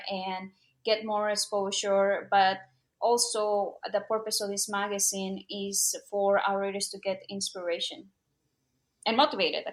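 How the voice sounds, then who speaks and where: In a Spanish accent, a woman speaks at a fairly slow pace with monotone, flat intonation and a medium pitch, on a very clean recording with a silent background. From outside the US, Spanish-speaking country. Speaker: magazine founder and film producer. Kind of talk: interview. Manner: halting, with false starts.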